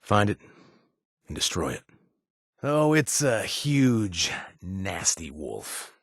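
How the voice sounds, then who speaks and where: A man's voice: sits low, very animated, takes it slowly, dry recording, clean studio sound, full character voice. An actor playing a chatty, jittery man handing out jobs in a video game, rambling with joking asides and squeamish about bugs. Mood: offhand briefing. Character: jittery, wisecracking male wasteland quest-giver, squeamish. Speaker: companion character in a video game. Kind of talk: studio game voice acting.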